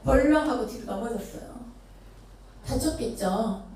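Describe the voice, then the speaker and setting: A Buddhist nun from Chungcheong tells a story to her temple congregation in a fairly high, mellow voice. She keeps asking the listeners questions. She was recorded from across a very echoey hall, with faint noise underneath. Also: measured pace, recorded from a distance. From Chungcheong Province, Korea. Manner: lively storytelling, asks the audience questions. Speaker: Buddhist nun giving a dharma talk. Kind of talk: storytelling sermon. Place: temple dharma hall with an audience.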